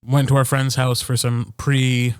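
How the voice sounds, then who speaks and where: A man's voice: medium pitch, little pitch movement, unhurried, clear, resonant tone, no room sound, clean studio sound. A man co-hosting a podcast in casual chat, with wry, self-deprecating humor. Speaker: podcast co-host. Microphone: close podcast microphone, dry sound.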